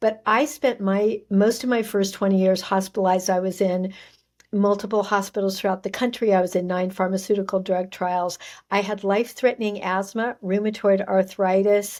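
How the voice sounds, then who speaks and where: On a very clean recording with a silent background, a woman speaks at a moderate pace in a medium pitch with monotone, flat intonation. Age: 70s. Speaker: gut health expert and colon therapist. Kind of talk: podcast interview.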